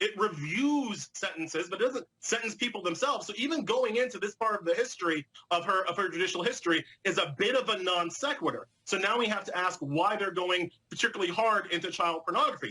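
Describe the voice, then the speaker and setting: A man's high, raised and projected voice at a fairly quick pace, with hardly any pauses. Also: ordinary pitch variation. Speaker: legal commentator. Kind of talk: news interview. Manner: fast.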